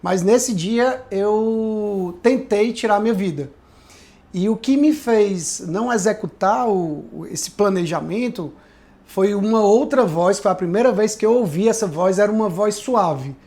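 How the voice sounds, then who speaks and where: A man's voice: high voice, unhurried, a little mellow. A pastor, earnestly telling his life testimony in a podcast conversation, often checking in with tag questions. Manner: earnest, reflective storytelling with frequent tag questions.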